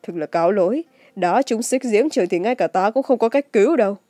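Casting: arrogant young male wuxia villain female reader acting, mellow but mocking, music bed. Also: mid-range voice, expressive, a little fast, no echo, clean studio sound, close to an everyday voice. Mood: gloating, mocking. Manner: taunting, smug.

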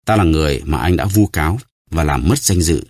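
A man's voice: a bass voice, animated, brisk, darkish tone, no room sound, clean studio sound. Man doing a solemn vengeful nobleman. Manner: solemn, grave.

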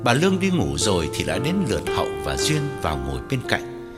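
A man's voice: deep voice, huge pitch swings, a little fast. A man narrating a story with dramatic, widely varied delivery. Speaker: audiobook narrator. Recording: long hall reverb, faint music.

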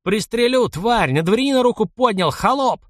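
A man's voice: a little fast, a bit bright, dry recording, studio quality. A man reading an audiobook, voicing a hot-headed, arrogant young cavalry captain who shrieks and spits with rage. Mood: furious. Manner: shrill, spitting fury.

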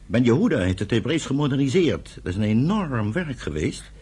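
A man's voice: mid-range voice, sing-song, fairly quick, mellow, husky. A man playing a fiery, proud young Jewish pioneer settler in a radio drama, with an emphatic, commanding way of talking. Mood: earnest, teasing. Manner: commanding, emphatic, declamatory when roused. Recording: noisy old radio play recording.

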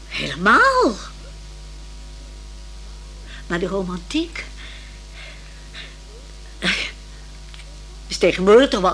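A woman's voice: medium pitch, vocal fry, a bit bright, breathy edge, heavily acted. A woman playing a chatty, old-fashioned older lady in a radio play, rambling hesitantly and romantically about young people. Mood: wistful, self-conscious. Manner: hesitant, rambling, sighing over modern youth. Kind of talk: naturalistic radio play dialogue.

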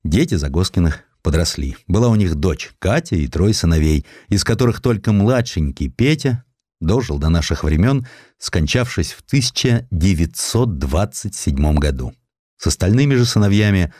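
Deep-voiced male narrator with animated delivery. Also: moderate pace, no echo, studio quality. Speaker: audiobook narrator. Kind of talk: expressive scripted narration of historical essays. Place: studio.

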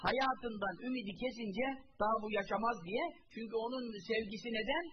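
High-voiced male preacher, lo-fi recording. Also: fairly even intonation, a little fast, noisy background. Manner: asks rhetorical questions and answers them himself; quotes Arabic phrases and translates each one. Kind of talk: religious talk to a congregation.

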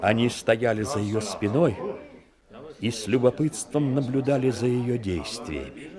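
A man reads dramatic, scripted narration for an audio drama. His voice sits at a middle pitch. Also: animated, measured pace, a crowd in the background.

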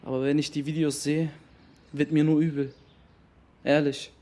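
A man's voice: fairly high pitch, flat delivery, moderate pace, mellow, lightly acted. An actor playing a defensive young Muslim man, speaking slangy testimony in a naturalistic radio drama. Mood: earnest. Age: young adult. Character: defensive young Muslim friend of a missing teenager.

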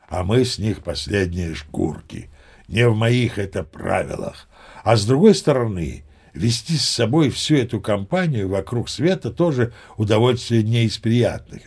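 A man's voice: mid-range voice, creaky, breathy edge. An actor playing a seasoned, boastful old sea captain who tells his yarns in a chatty, emphatic, theatrical way. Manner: chatty, folksy, self-assured, emphatic. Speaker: narrator. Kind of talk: theatrical first-person storytelling, audio play.

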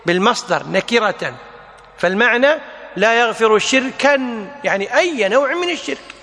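Bright high-voiced male religious teacher. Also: lively intonation, long reverb tail. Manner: deliberate, repeats key phrases for emphasis. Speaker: Islamic teacher. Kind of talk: religious lesson explaining a text.

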